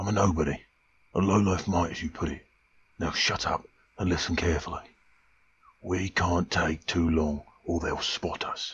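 Delivery moves at a moderate pace with monotone, flat intonation. Long pauses come often. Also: man, very deep, low pitch for a man. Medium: audio drama. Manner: rude, then nervous and secretive.

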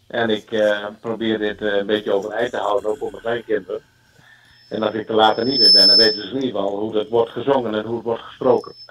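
A man speaks very fast at a fairly low pitch, in a monotone with flat intonation. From Groningen, Netherlands.

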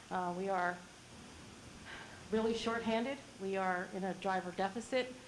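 Speaking at a moderate pace with medium pitch, a woman keeps her intonation fairly even and leaves long, frequent pauses. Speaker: school transportation director. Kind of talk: presentation at board meeting. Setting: board meeting room, hybrid. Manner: hesitant, many fillers.

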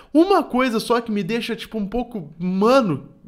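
High in pitch, the man speaks with ordinary pitch variation. The background is quiet. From Brazil. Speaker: gaming YouTuber. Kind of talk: angry rant about game prices, emphatic video monologue. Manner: indignant, emphatic, pleading, repeating 'mano' and 'cara'. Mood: annoyed, critical of prices. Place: home room.

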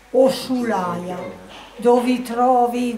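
A woman's fairly high voice at a very slow pace, over noticeable background noise. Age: 80s+. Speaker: reciting a poem. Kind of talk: poetry reading.

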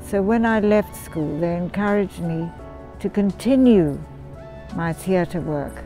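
Over clear music in the background, a woman speaks at a very slow pace, the sound dry with no echo. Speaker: interviewee. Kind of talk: interview answer. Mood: warm, amused. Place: garden. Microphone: lapel.

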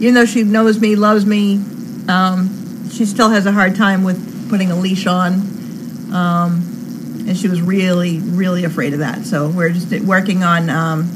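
A woman talking at a moderate pace amid noticeable background noise. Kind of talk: informal talk to a group. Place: office. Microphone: camera far.

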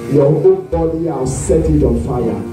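The room echo is audible. Music plays clearly in the background. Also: man. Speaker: preacher. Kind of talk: sermon. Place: church. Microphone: pa.

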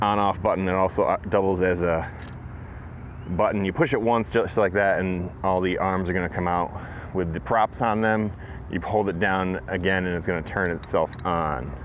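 In a dry sound with no echo and light background noise, a man speaks at a moderate pace with a very deep, low pitch and fairly even intonation. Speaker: product reviewer. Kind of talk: casual product review. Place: open country. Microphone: phone near.

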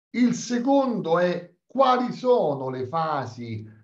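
A man speaks at a very slow pace, his pitch swinging very widely, against a quiet background. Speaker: foundation director, environmental policy expert. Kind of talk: webinar lecture. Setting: video call. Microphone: webcam.

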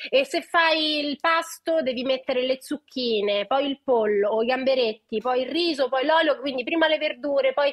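A woman speaks at a moderate pace in a high voice, with ordinary pitch variation. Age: 30s. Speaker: nutritionist. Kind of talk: casual chat.

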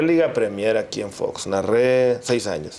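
His pitch sits at a medium level for a man, and this man's voice rises and falls in an ordinary way. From Mexico, Torreón. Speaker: football commentator. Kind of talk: interview conversation. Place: studio. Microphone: lapel.

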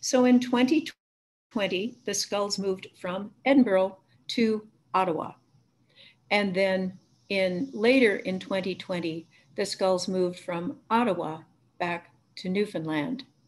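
A woman talks at a very slow pace with long, frequent pauses. Her pitch varies in an ordinary way. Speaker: anthropology professor. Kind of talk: lecture. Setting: video call. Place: home room. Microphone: webcam.

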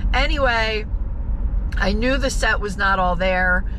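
A woman's voice comes through noticeable background noise, the sound dry with no echo. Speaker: reseller vlogger. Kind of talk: casual vlog chat. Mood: chatty, upbeat. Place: car. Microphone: phone near.

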